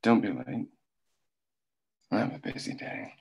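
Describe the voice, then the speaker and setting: Man reading as a cold coal boss, curt orders, lively up and down pitch, table read. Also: unhurried, slightly rough, exaggerated voice. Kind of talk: table read of a drama script.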